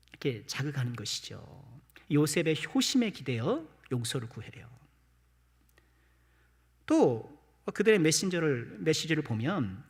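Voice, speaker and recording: Husky-voiced man preaching in a reverberant church. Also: on the high side. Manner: addresses the congregation with rhetorical questions, light self-deprecating humor. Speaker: pastor. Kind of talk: Sunday morning sermon. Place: church sanctuary. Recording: long church-hall reverb.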